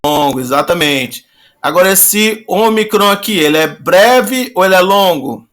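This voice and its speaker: Guy teaching online, bright fairly high voice, says words real slow n repeats them. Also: expressive. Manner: patient, repeats and slowly draws out words. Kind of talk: online class lecture.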